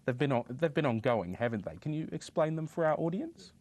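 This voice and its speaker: A man's voice: on the high side, animated, brisk, a little mellow. A man interviewing a guest on television, searching for words as he asks questions.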